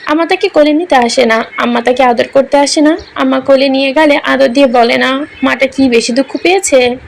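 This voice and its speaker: A woman storyteller reading a romantic drama aloud with emotional, melodramatic weight. Her voice sits high, and a faint hum of room ambience runs beneath. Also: fairly even intonation, fairly quick, creaky. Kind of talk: scripted narration of a romantic story.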